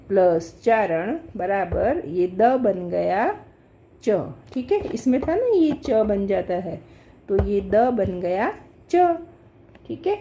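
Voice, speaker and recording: At a board, a woman with a dark, mid-range voice teaches grammar step by step, patiently repeating herself and checking in often with "thik hai". The recording has a dull, lo-fi sound.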